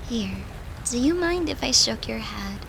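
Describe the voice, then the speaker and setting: Steady rain-like noise sits behind a tender, devoted girlfriend, acted by a woman in an intimate comfort roleplay. Her voice is fairly high, with a creaky edge. She speaks slowly and soothingly, with great affection. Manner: soft, soothing, affectionate, unhurried, at times whispering.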